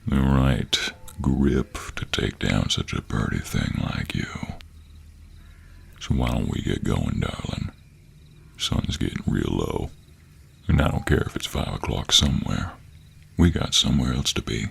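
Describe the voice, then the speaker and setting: An extremely low, heavily creaky voice drawls slowly in a cowboy accent, performed by a man. This is a monster hunter from a fantasy audio drama, sure of his strength, flirting as he threatens. He takes his time with every phrase, teasing and menacing, over faint background noise. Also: animated, a bit bright, exaggerated voice. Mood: flirtatious, smug. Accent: American cowboy drawl. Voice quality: very deep, gravelly. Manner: slow, teasing drawl with terms of endearment. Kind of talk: intimate scripted audio roleplay.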